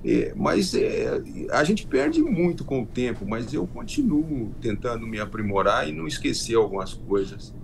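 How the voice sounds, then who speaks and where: An older man with a rural Minas Gerais accent, answering interview questions slowly over a video call from his home library, often restarting his sentences. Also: mid-range voice, big pitch swings, gravelly, slight background noise, rough recording. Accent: rural Minas Gerais Portuguese. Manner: unhurried, with frequent restarts. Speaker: guest, self-taught linguist. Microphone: video call webcam.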